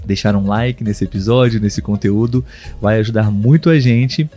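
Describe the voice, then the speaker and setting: A man hosting a live podcast for Portuguese learners, speaking slowly and rephrasing his points so listeners can follow. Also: on the low side, warm tone, soft background music. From Brazil. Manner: slow, deliberate, repeats and rephrases for learners. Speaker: podcast host.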